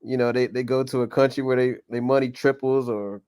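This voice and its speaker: A man's voice: medium pitch, fairly even intonation, brisk, a little mellow, clean tone. A man in casual podcast chat, laid-back and agreeable, speaking loosely with slang. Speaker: podcast panelist.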